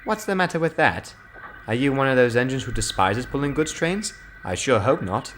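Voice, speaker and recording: A man's voice: mid-range voice, very animated, a little fast, slight background noise. A man voicing a kindly, polite older male engine who gives friendly advice, in a storybook reading. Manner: gentle, friendly, advising. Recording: music playing clearly behind.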